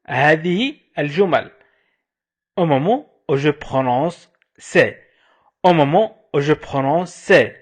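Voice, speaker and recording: A man teaching a language lesson, saying each phrase slowly over and over, then quickly glossing its meaning. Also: on the high side, animated. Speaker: French teacher. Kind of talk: slow repetition drill with translations.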